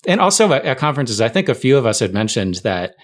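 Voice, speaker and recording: A man's voice: mid-range voice, big pitch swings, fast talker. A middle-aged man speaking as a podcast guest, recollecting work stories in a casual conversational way. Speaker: podcast guest, tech writer.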